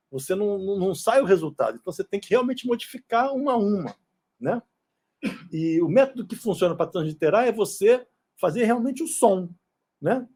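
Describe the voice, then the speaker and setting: A man's voice: high voice, darkish tone, husky. A middle-aged man from Brazil giving an informal classroom lecture in an auditorium, often checking in with tag questions. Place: synagogue auditorium.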